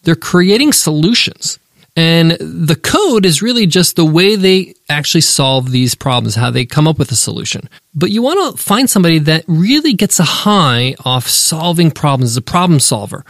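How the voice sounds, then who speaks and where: A man hosting a business podcast, giving emphatic, animated advice and listing his points one by one. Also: a little high, normal speed, gravelly, dry recording, studio quality. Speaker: podcast host.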